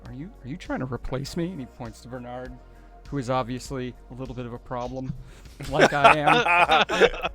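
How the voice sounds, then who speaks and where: A man's voice: mid-range voice, normal speed, music in the background. A man playing a tabletop roleplaying game, joking and teasing in casual, irreverent banter.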